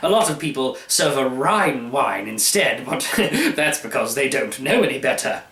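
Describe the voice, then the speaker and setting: A man's voice: mid-range voice, lively intonation, moderate pace, creaky, pushed and bright, reverberant. A man voicing a cheerful, boastful newly rich dinner host in a storybook reading, eager and showy as he goads a guest.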